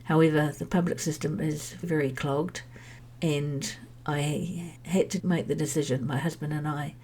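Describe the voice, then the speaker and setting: A woman's voice: low voice, fairly even intonation, a little slow, a little mellow, slight background noise. A middle-aged woman with a head cold, talking candidly and chattily in her own personal podcast monologue. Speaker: podcast host sharing her health journey.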